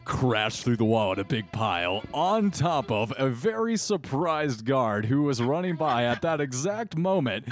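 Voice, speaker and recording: A man running a tabletop game as game master, improvising narration in an excitable, playful way. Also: mid-range voice, unhurried, hardly any pauses, soft background music.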